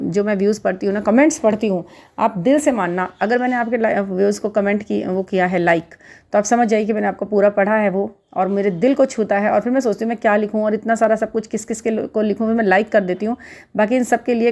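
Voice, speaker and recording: A middle-aged woman talks warmly and unhurriedly to her followers about spiritual matters. Her voice sits at an ordinary middle pitch, and she often repeats words to press a point home. English terms come up often in her Hindi. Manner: gentle, reassuring, repeats words for emphasis. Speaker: spiritual guidance channel host. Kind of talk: casual talk to viewers.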